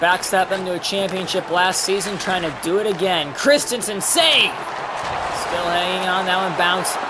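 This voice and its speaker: A woman's voice comes at a moderate pace, carrying audible room echo and noticeable background noise. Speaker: hockey play-by-play commentator. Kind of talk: live commentary. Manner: animated.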